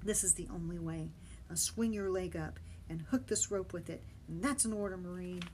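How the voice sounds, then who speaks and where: A gruff, battle-burned sailor man, barking orders over the chaos as a woman reads him in a storybook. He speaks in loud, pushed, urgent commands, raised well above a calm voice. A faint hiss sits under the recording. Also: fairly low pitch, moderate pace, close to an everyday voice. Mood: urgent commanding.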